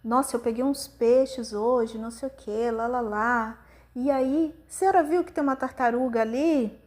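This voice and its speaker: A woman's voice: on the high side, normal speed, a little mellow, close to an everyday voice. A woman voicing a friendly, chatty middle-aged fisherman who rambles through small talk.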